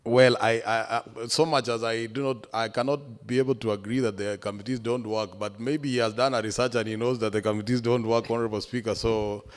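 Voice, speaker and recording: A man's voice: mid-range voice, fairly even intonation, a little fast, few pauses. Kenyan assemblyman in a reverberant hall. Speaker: county assembly member. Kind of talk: parliamentary point of order. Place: large assembly chamber. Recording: echoey hall with long reverb.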